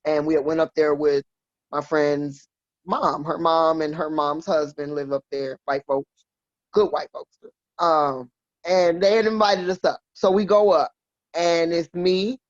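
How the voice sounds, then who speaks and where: A woman's voice: deep voice, fairly even intonation, a little slow, no room sound. A woman in her forties from Milwaukee, a podcast guest telling personal stories in a frank, salty, laughing way. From Milwaukee, Wisconsin. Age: 40s. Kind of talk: casual chat, personal storytelling. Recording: dull lo-fi dry sound.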